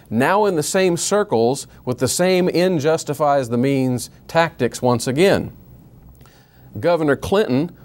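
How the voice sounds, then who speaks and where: A man with a medium-pitched, darkish voice gives a measured history lecture. He reads period quotations with rhetorical emphasis and restarts a few times.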